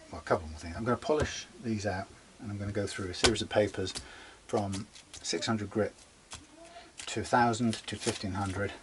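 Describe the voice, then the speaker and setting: A man talking casually through a guitar setup in his workshop, rambling and chatty, muttering quietly as he works. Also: on the low side, background noise. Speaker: guitar repair demonstrator. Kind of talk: casual workshop how-to talk.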